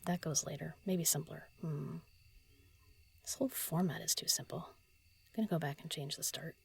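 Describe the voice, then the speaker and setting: A woman playing a solitary, pensive writer in an audio drama, murmuring halting lines to herself as she composes, often half-whispering. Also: deep voice, steady tone, vocal fry, darkish tone. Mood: pondering, self-critical. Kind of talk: intimate audio drama monologue, thinking aloud.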